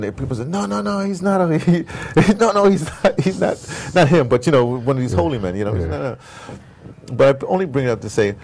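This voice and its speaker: A middle-aged man talks casually as an interview guest, with a creaky, gravelly edge to his voice. He is an animated storyteller who circles back on his words and drifts into tangents. His pitch sits around average for a man. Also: slight background noise. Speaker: interviewed audio drama producer. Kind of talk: casual, digressive interview talk. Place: at his home base in New York.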